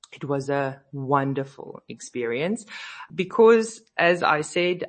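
A woman hosting a radio show, chatting casually and a bit sleepy, her voice slightly scratchy from a cold. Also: low-pitched. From South Africa. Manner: chatty, sleepy, laughs easily. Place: radio studio.

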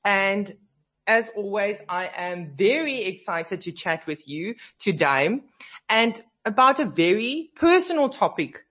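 Very animated yet measured in pace, this South African host speaks in a mid-range, fairly bright voice from a radio studio. She's chatty and a little sleepy, laughing easily, her throat slightly scratchy with a cold.

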